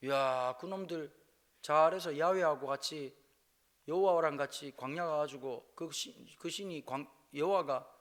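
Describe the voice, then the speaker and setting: A male pastor from Busan, preaching a revival sermon in a church with humor, moving between quiet asides and loud exclamations. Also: on the high side, a little slow. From Busan, South Korea. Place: church sanctuary.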